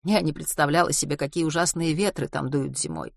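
Narrator reads young woman, confiding, quiet, close and dry. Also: deep voice, brisk, gravelly, no room sound. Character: young woman recalling a harsh island winter.

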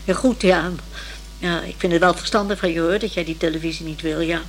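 A woman's voice: lowish voice, steady tone, a little fast, a little hiss or hum, natural voice, rough recording. A woman playing a chatty, old-fashioned older lady in a radio play, rambling hesitantly and romantically about young people. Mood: wistful, romantic. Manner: hesitant, rambling, sighing over modern youth. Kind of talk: naturalistic radio play dialogue.

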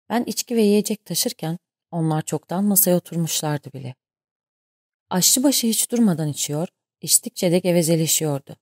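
A woman narrating an audiobook in a steady, measured way. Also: lowish voice, no echo, clean studio sound. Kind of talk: scripted narration.

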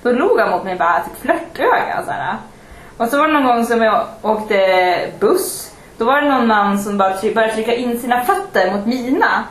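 A woman's voice: on the high side, expressive. A woman, a podcast guest telling candid anecdotes with wry asides. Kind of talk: casual chat. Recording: echoey room with faint background noise.

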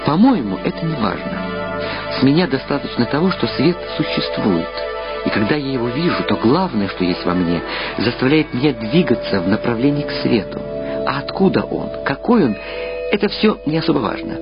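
A man's voice: medium pitch, big pitch swings, normal speed, voice pushed up. A man playing a stubborn, wistful young male insect in a radio reading, musing in a hesitant, defensive way. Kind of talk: dramatised literary reading for radio. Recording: dull radio recording, music behind.

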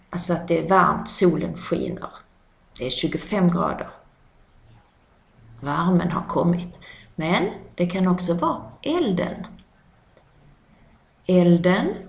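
Woman teaching dialect words, gravelly, echoey. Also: on the low side. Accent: Scanian Swedish. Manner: repeats words slowly and explains them. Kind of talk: dialect vocabulary lesson.

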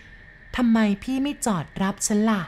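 A young female ghost hitchhiker pleads for a ride in a thin, chilling voice, as a woman puts her on. The voice sits a little high and quiet in a spoken ghost story. A faint noise runs underneath. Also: a little slow, lightly acted. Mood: eerie pleading.

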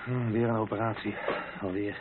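A man's voice: lowish voice, flat delivery, moderate pace, close to an everyday voice. An actor playing a proud, good-humoured disabled husband and expectant father in a naturalistic radio play, wry and easygoing. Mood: wry, teasing. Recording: tinny, noisy old radio play recording.

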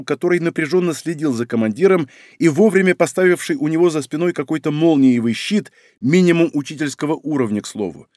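A male audiobook narrator tells an action story at an even pace, dropping in coarse slang without fuss. His voice sits a bit above the middle and sounds close, dry and untouched by any room. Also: a little high, no echo.

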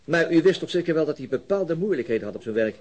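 An actor as a brisk, dogged police inspector. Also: male voice, fairly high pitch, lively intonation, darkish tone, a little hiss or hum, lightly acted. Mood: probing, polite. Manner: hesitant, probing, trailing questions. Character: dogged police chief inspector, intuitive, politely insistent. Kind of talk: radio drama acting.

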